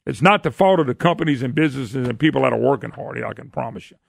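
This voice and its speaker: A man's voice: mid-range voice, fast, gravelly, no echo, clean studio sound. A man hosting a political call-in radio show, folksy and emphatic, firing off rhetorical questions. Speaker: radio talk show host. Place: radio studio.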